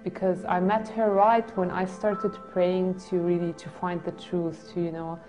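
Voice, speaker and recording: A woman in her twenties from a Greek family in Germany, calmly recounting her own story in a seated studio interview. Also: lowish voice, a little slow, over music, rough recording. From Greek family, born in Germany. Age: 20s. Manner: reflective, soft, with frequent restarts. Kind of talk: personal testimony interview. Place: indoor studio set with red curtains.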